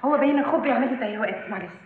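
A woman's voice: fairly high pitch, racing, slight background noise, natural voice. An actress with an Egyptian accent playing a scheming young woman who gives orders dramatically. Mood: bossy. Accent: Egyptian Arabic. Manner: commanding, dramatic. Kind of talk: comedy film acting. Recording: tinny film audio with room echo.

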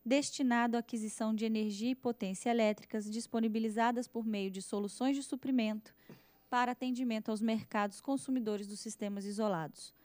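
A woman's voice: medium pitch, warm tone, clean tone, dry recording. A Brazilian woman with a Brazilian Portuguese accent, a rapporteur director reading a formal vote steadily over a video call.

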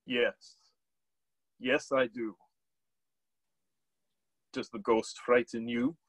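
A man's voice: mid-range voice, little pitch movement, extremely slow, no echo. A man playing a grave, mysterious questioner in a play reading. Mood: ominous. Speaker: actor in a virtual staged reading. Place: indoor room, video call.

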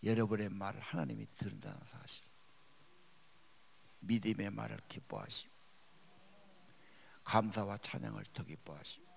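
A male pastor preaching a sermon, with emphatic rises and drops in loudness. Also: lowish voice, moderate pace, vocal fry, pauses often, husky. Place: church sanctuary.

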